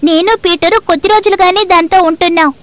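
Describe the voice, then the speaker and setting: A woman's voice: very high voice, steady tone, fast. A woman voicing an earnest, spirited little granddaughter in a dubbed cartoon, eager and outspoken, with a childlike voice. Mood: pleading, indignant.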